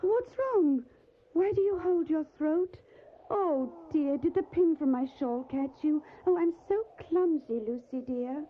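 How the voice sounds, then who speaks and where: A woman's voice: high-pitched, expressive, measured pace. An actress playing an earnest, caring young Victorian lady in an audio drama, with a proper and solicitous manner. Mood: tender, worried. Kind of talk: audio drama acting and diary narration. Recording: phone-like, faintly noisy audio.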